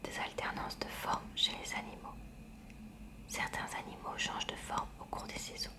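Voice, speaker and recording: This ASMR reader is a woman softly working through a school science textbook. She keeps to a hushed, breathy whisper with no voicing, reading with measured care.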